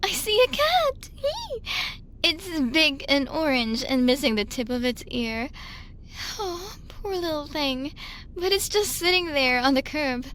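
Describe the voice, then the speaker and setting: A woman's voice: sits high, very animated, unhurried, fairly bright tone, slight background noise, exaggerated voice. A woman playing a drunk, lonely young woman in an ASMR roleplay, rambling and giggling her way through a late-night voicemail with tipsy hesitations. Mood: delighted, cooing.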